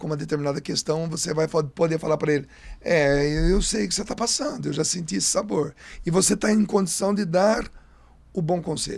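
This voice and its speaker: A high-pitched man talks at a moderate pace, his pitch varying in an ordinary way. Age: 60s. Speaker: preacher and missionary singer. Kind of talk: podcast interview on faith.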